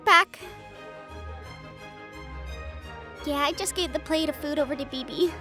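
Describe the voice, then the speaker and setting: A woman's voice: sits high, fast talker, sharp tone, soft background music. A woman playing an affectionate, spirited young Latina hunter in an intimate audio roleplay, speaking expressively and chattily to her beloved. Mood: playful, weary. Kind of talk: intimate scripted audio roleplay addressed to the listener.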